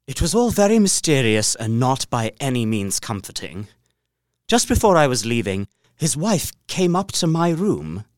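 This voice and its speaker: An actor playing a proper, earnest young English gentleman narrating his journal in an audio drama, precise and expressive. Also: medium pitch, normal speed, dry recording, studio quality, natural voice. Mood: uneasy. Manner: expressive, precise, faintly bemused.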